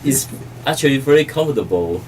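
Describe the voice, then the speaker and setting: A middle-aged man from Taiwan, an ambassador, answering interview questions politely and haltingly with many fillers. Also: medium pitch, animated, darkish tone, distant mic, a little hiss or hum, rough recording.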